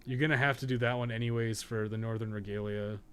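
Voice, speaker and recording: A man's voice: fairly low pitch, steady tone, fast talker, slight background noise. A man giving casual, rambling livestream game commentary, thinking aloud with some swearing and self-deprecation. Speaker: video game streamer and podcast co-host.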